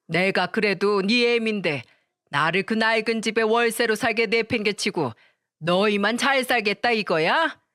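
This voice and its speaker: A woman's voice: a little high, fairly bright tone, no echo, studio quality. A woman voicing a scheming, pushy old mother-in-law who complains theatrically.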